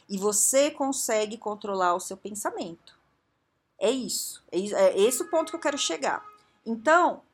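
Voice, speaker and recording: A woman coach giving a podcast talk, speaking straight to the listener with quick rhetorical questions. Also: a little high, husky. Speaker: coach working with strategy. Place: São Paulo.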